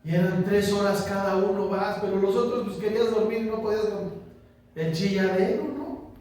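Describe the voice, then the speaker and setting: Man, pastor, high voice, joking conversational sermon, recorded from afar in a reverberant church. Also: fairly even intonation, moderate pace, darkish tone. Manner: chatty, asks the congregation questions, jokes. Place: small church. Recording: echoey church room, distant mic, faint noise.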